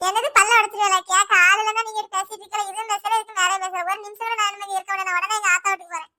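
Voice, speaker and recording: A woman plays a sick, irritable village wife in a cartoon, her Tirunelveli Tamil fast and piercingly high. She snaps and complains in a bright, tight tone, recorded dry and close. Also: level tone, no echo, exaggerated voice. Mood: aggrieved. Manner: scolding, complaining, shrill. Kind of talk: cartoon voice acting.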